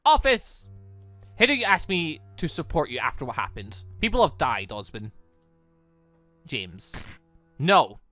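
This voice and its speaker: A man acts out a stern military commander in a visual novel, with a bright, forceful voice. He is blunt and accusatory, giving orders angrily over faint music. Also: on the high side, big pitch swings, a little slow, pauses often, no room sound, exaggerated voice. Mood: angry. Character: stern, angry male military security chief. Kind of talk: visual novel dialogue reading.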